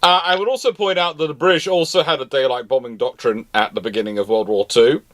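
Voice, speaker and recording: Halting, argumentative man debating history. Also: mid-range voice, fairly bright tone. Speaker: live-stream host answering viewer questions. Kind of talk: off-the-cuff naval history discussion.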